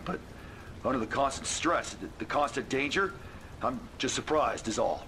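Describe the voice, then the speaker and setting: A man's voice: mid-range voice, expressive, normal speed, slight background noise. An actor playing a young male soldier from the Midwest who talks hesitantly and stammers, heard on a played-back archival recording. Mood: uneasy surprise. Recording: archival recording, distant and quiet.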